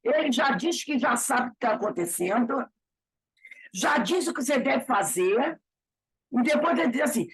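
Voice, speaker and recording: A fairly high, slightly husky woman's voice with a Brazilian Portuguese accent. She teaches a spiritist study class, reading passages and explaining them. Her pitch rises and falls a lot as she talks, and she often acts out what people say. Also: moderate pace, rough recording. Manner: lively, acts out quoted remarks.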